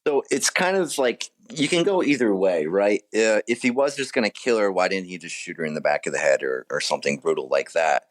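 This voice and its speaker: A man with a deep, low-pitched voice talks as a guest author in an interview. He explains things casually, often rewording himself halfway through a thought. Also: lively intonation, brisk, few pauses.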